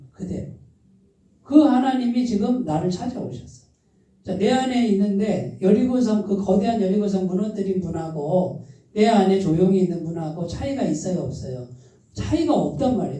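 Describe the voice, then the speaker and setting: Man, pastor, emphatic sermon, rhetorical questions, very dark mellow voice, heavy church echo. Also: sits high. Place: church sanctuary. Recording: very echoey church hall, voice from far off.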